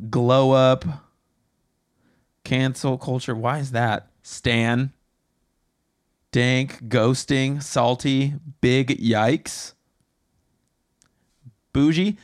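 A man's voice: medium pitch, slow pace, long pauses. Teasing male podcast co-host. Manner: teasing, quizzing with a list of slang. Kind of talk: casual chat.

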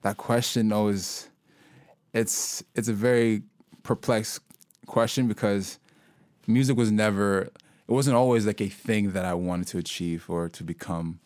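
A young man from Sudan, a local hip-hop artist, talking about his music in a relaxed, rambling way with many fillers and restarts. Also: fairly low pitch, measured pace, no echo, studio quality. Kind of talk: casual interview conversation.

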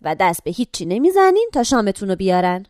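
An actress playing a brisk, matter-of-fact care-home attendant who gives an old woman instructions. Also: medium pitch, sing-song, darkish tone, no echo, studio quality, lightly acted. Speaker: caregiver.

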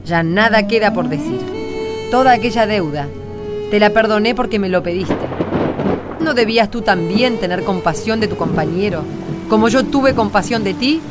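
A woman's voice: medium pitch, normal speed, over music, close to an everyday voice. An actress playing a severe, commanding great queen who passes judgement in a radio play, speaking formally and solemnly. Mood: wrathful. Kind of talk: radio drama acting.

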